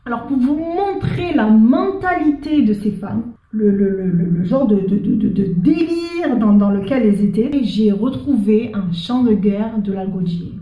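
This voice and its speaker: A woman presenting a history explainer, lively and speaking directly to the viewer. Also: a little high, a little slow, few pauses, reverberant, dull audio.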